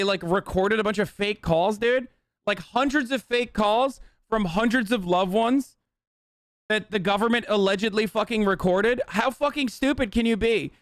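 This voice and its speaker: High-voiced man ranting on stream. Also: moderate pace, no room sound, clean studio sound. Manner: profane, heated ranting. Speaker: streamer host. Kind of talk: live-stream reaction commentary.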